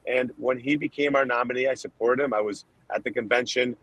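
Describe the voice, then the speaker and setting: Candidate guest, man from Colombia, emphatic list-maker, mid pitch, dry close sound. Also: fairly even intonation, fairly bright tone, no room sound, rough recording. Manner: emphatic, rapid-fire lists of points. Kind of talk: podcast interview answers.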